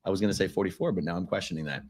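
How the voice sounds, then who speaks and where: Deep-voiced man in his forties hosting. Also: racing. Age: 40s. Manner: relaxed, conversational, wry asides. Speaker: host. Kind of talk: casual interview. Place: studio with wood-panel wall. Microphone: desk mic.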